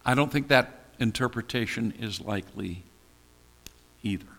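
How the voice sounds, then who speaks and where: A man's voice: fairly low pitch, normal speed, vocal fry, a bit bright. An older man preaching as a pastor, teaching through a Bible passage in a conversational way and posing questions that he then answers himself. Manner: conversational, asks and answers his own questions. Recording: long hall reverb.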